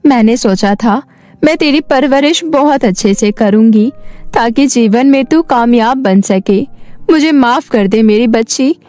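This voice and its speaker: Woman as a meek, high-voiced widowed mother. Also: darkish tone, close to an everyday voice. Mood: sorrowful. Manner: pleading, apologetic, slow. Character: meek, sorrowful, loving widowed mother and servant. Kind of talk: animated moral story dialogue.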